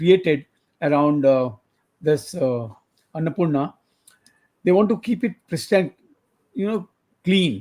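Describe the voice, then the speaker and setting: In a dark, mellow tone, a man with a fairly high pitch speaks fairly slowly with lively intonation and long, frequent pauses. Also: dry, close sound with no echo. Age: 60s. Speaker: trekker. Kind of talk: interview. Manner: halting, many fillers.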